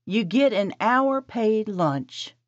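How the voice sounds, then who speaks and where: A woman voicing a calm, friendly woman employer who explains things slowly. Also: mid-range voice, no room sound, pitched above the performer's own voice. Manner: slow, measured, explaining. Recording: slightly dull dry recording.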